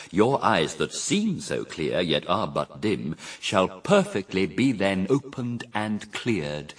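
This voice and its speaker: Radio drama serpent: seductive, impassioned, persuasive, very low and slow, slightly distant. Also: male voice, a bit bright, husky, heavily acted. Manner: theatrical, impassioned, rhetorical questioning. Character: sly male serpent tempter, seductive, grandiose, persuasive. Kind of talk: classical verse radio drama acting.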